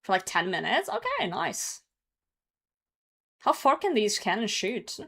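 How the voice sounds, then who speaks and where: A woman's voice: medium pitch, sing-song, a little slow, vocal fry, a bit bright, slightly rough. A young woman who is hungover, casually chatting with her live stream and commenting on gameplay, with some swearing. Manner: sweary, reacting to chat and game. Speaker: game streamer.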